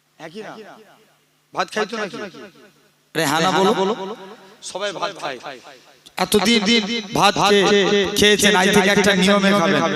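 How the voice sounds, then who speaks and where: This man speaks at a high pitch with fairly even intonation. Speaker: Islamic preacher. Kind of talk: sermon. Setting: stage with audience (waz gathering). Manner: loud, call-and-response with audience.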